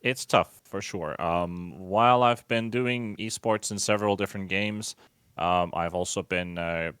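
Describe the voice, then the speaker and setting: Finnish guy in his late 20s, low voice, chatty and self-deprecating, dry close sound. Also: measured pace, a bit bright, clean tone, dry recording. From Finland. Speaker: esports commentator, guest. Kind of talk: casual conversational interview.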